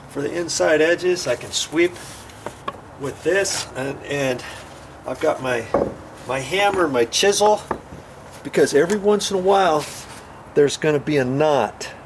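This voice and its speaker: A man hosting a casual hands-on DIY tutorial, rambling in a folksy way and asking himself questions that he then answers. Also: mid-range voice. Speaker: DIY video host. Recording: noisy, tool rasping and scraping sounds.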